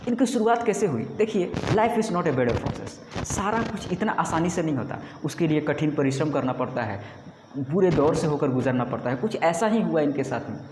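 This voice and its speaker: A man's voice: a little high, animated, background noise. A man in his twenties telling a story to camera in an emphatic, motivational way, asking questions and answering them himself, repeating phrases for effect. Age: 20s. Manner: rhetorical, asks and answers his own questions; emphatic repetition, drawn-out phrases. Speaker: YouTube creator. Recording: echoey room with long reverb.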